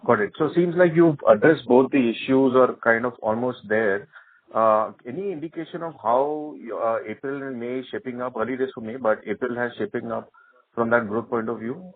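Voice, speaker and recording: Male analyst, mid-pitched, asking follow-up questions over a thin phone connection. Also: normal speed, dry recording. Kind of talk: tentative spoken questions on a business call. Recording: dry, narrow telephone line.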